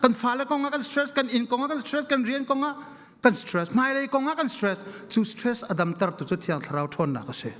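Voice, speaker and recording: High-pitched, fervent male preacher in echoing hall. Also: very animated, a little fast, a bit bright. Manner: emphatic, repeats phrases for stress. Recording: long echoing hall reverberation.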